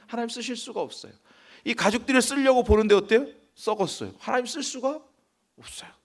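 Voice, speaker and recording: Man, pastor, church sermon, somewhat high voice, asks questions and answers them, loud then hushed. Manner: swings from loud emphasis to soft, almost whispered lines. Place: church sanctuary.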